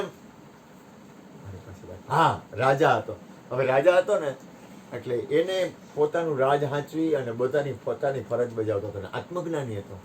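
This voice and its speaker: A man giving a satsang discourse, telling parables with sharp rises and drops in his voice. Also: mid-range voice, slight background noise. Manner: animated storytelling, voice rising and dropping sharply. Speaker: spiritual teacher.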